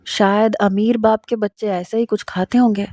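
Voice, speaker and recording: A woman narrating a first-person story in a steady, even reading voice. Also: medium pitch, dry recording, studio quality.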